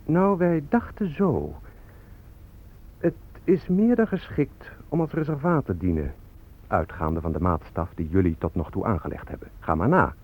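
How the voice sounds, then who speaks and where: An actor playing a defiant, sardonic Native American activist spokesman in a radio drama, speaking in measured, ironic proclamations. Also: lowish voice, narrow, tinny audio, lightly acted. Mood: ironic, deliberate. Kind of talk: radio drama acting, declamatory.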